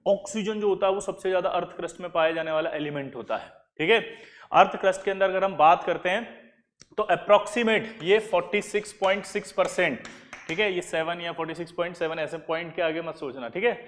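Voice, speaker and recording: A man's voice: high voice, brisk, a bit bright, in a large hall. A male chemistry teacher lecturing a class, who keeps quizzing his listeners with repeated questions.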